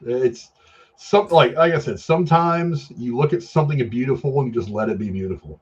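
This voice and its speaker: A middle-aged man casually giving his opinions in a film discussion, haltingly repeating and rephrasing himself for emphasis. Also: mid-range voice, husky. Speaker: film review show host. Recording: dull, lo-fi sound.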